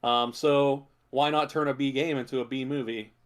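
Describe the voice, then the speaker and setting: A man chatting casually as a podcast co-host, in a halting way full of filler words and hedges. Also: mid-range voice, steady tone. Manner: halting, hedging delivery with many filler words. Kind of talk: casual chat about video game movies.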